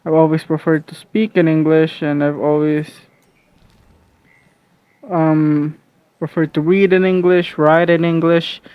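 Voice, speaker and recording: A man's voice: fairly high pitch, little pitch movement, measured pace, long pauses, clear, resonant tone, no room sound, lo-fi sound. A young man from the Philippines whose first language is Filipino, rambling casually and hesitantly at home with many restarts and fillers. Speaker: vlogger.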